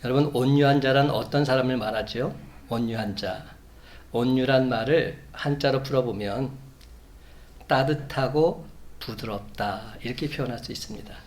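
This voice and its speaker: A man preaching a Sunday sermon as a pastor, measured, building to emphatic peaks. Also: mid-range voice, darkish tone, a little hiss or hum. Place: church sanctuary.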